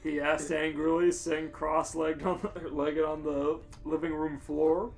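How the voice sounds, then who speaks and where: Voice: mid-range voice, little pitch movement, measured pace, a little mellow. A podcast co-host reading a comic story aloud in an amused, giggly manner.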